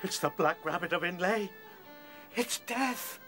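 A man playing an excitable buck rabbit in a radio drama. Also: high voice, a little slow, music in the background. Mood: dread.

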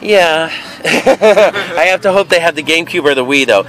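A man's voice: fairly high pitch, moderate pace, a bit bright. A man casually talking through a box of used video games at an outdoor flea market, thinking aloud with many fillers, recorded on a handheld camera. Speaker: video game reseller. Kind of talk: casual handheld vlog narration. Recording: noisy outdoor camera audio.

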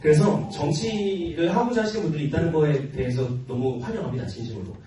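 A man's voice: fairly high pitch, fast, mellow, soft background music. A man in his early forties, a cram school teacher, answering students' questions informally in a playful but earnest manner. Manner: playful, joking, earnest, often laughing. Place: large classroom with students. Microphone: handheld microphone, filmed by tripod camera at back. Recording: roomy classroom, distant mic, noisy.

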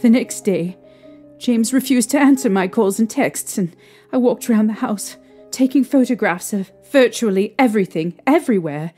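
A woman acting distraught young mother, haunted, high-ish pitch, soft warm tone, emotional halting delivery, audio drama. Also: animated, faint music behind. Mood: hushed, distressed.

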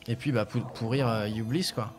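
A man's voice: mid-range voice, brisk. A man streaming a game, giving casual commentary as he hesitates and thinks aloud. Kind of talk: casual let's-play commentary. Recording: game music behind.

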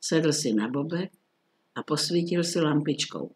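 A man narrating a classic short story in a calm, measured reading voice. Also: a little high. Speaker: reader.

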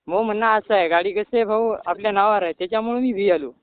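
Brief: distressed male caller over a phone line, high and fast, pleading and rambling. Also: clean tone. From Maharashtra. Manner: pleading, repeats "bhau" often, rambling. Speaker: caller asking for help. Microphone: phone call.

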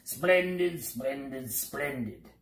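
A storybook reader voicing a little round, fussy male census taker who briskly rattles off long lists of questions in an officious tone. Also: mid-range voice, expressive, a little mellow, roomy sound, a little hiss or hum, voice pushed up. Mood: pleased.

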